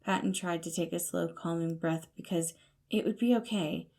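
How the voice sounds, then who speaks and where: A woman's voice: on the low side, steady tone, normal speed, gravelly, darkish tone. A woman reading scripted fiction as the narrator of an audio story. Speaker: podfic narrator.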